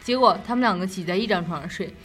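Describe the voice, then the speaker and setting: A woman's voice: mid-range voice, fast talker, a bit bright, soft background music. A young woman with a Northeastern Chinese accent co-hosts a late-night show, telling ghost stories in a casual, rambling, repetitive way. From Northeast China.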